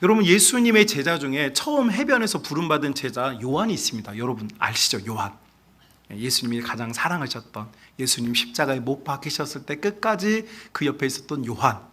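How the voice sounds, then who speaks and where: A man preaching a sermon as pastor, animated, often asking the congregation questions and acting out quoted speech. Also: mid-range voice, fairly quick. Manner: acts out quoted speech in other voices.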